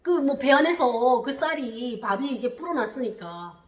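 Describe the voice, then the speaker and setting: A woman from Korea, telling a personal story on her channel in an animated way. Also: moderate pace, roomy sound. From North Korea. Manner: animated, re-enacts quotes with loud high bursts. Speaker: channel host.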